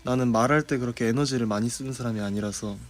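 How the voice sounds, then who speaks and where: A young man from South Korea chatting casually on a livestream, talking slowly and unhurriedly. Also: mid-range voice. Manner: drawling, unhurried. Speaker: idol livestream host.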